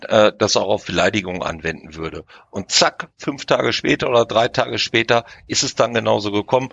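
A man's voice: mid-range voice, a bit bright. A man speaking as a lawyer in a conversational discussion, explaining and arguing his points with emphasis. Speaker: lawyer, podcast guest.

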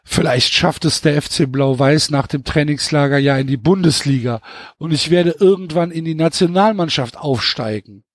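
A man's voice: a little high, normal speed, dry recording, clean studio sound, natural voice. A man reading aloud the lines of an ambitious young footballer son, defensive and eager.

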